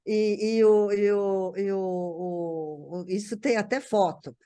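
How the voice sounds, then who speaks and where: A woman's voice: mid-range voice, slow pace, warm tone. An older woman with a São Paulo Brazilian accent, reminiscing casually in conversation and often repeating words as she searches for the next. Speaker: guest recalling a parent's career.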